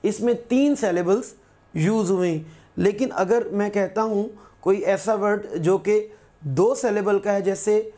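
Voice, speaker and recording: Mellow-voiced male grammar teacher. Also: sits high. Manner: patient, repeats words slowly as examples. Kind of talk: recorded lesson.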